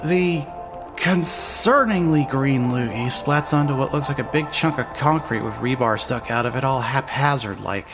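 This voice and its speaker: A man's voice: medium pitch, normal speed, music in the background, natural voice. An actor with a male-sounding voice playing a groggy, irreverent young trans woman with a casual, sardonic manner in a fan-dub audio drama. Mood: groggy, irritated. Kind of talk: scripted first-person dialogue and narration.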